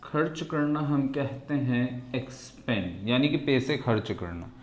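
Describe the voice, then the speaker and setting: A man teaches English vocabulary. He is patient and repeats each word and sentence slowly. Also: mid-range voice, animated, highs cut off. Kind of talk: slow vocabulary lesson. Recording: echoey room.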